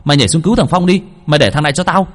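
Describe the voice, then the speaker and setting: A man voicing a tough young man who shouts orders. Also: sits high, lively intonation, moderate pace, pitched above the performer's own voice. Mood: shouting.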